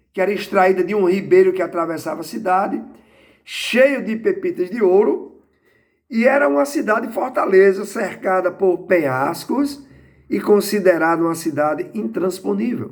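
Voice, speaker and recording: A man talks in a high pitch with lively intonation. Audible room echo surrounds his voice. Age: 60s. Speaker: pastor. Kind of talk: sermon.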